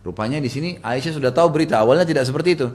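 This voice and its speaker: A male preacher giving a religious study lecture, telling a story in a relaxed, conversational way with casual filler words. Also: a little high, racing.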